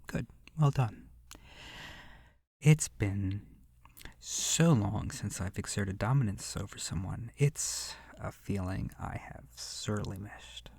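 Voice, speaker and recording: Slow, creaky, seductive vampire played by a man. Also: lowish voice, exaggerated voice. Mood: condescending, pleased. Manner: slow, hushed, lingering pauses, breathy whispering. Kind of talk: ASMR horror roleplay monologue. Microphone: close microphone.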